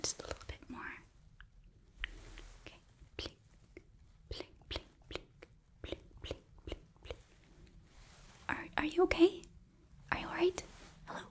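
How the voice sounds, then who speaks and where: A young woman playing a cheerful, nurturing demon princess hotelkeeper in a whispered ASMR roleplay, breathy, gentle and halting, close to the mic. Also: very high voice, level tone. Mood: concerned, soothing. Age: young adult. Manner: gentle, bubbly, halting, reassuring. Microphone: close microphone, facing camera.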